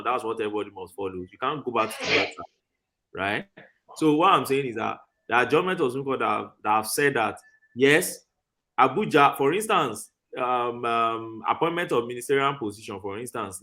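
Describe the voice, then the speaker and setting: A Nigerian-accented man argues in a group discussion at a middle pitch. He explains patiently, point by point, often checking that the others follow. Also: bright, forceful tone. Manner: explanatory, often checks with "right?" and "you understand?".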